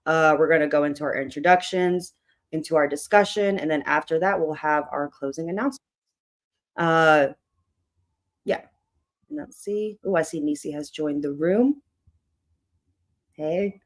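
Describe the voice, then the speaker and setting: A hoarse book club host with a tired voice, chatting loosely with many fillers while opening an online meeting. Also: medium pitch, measured pace, pauses often.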